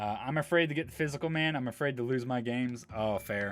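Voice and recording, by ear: The voice here is natural. It is reading something aloud.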